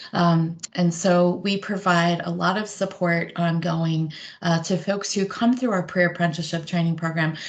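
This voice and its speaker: Somewhat breathy, the speaker talks at a moderate pace in an American accent with fairly even intonation. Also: woman. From Ohio, Cleveland. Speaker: nonprofit representative. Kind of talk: webinar presentation.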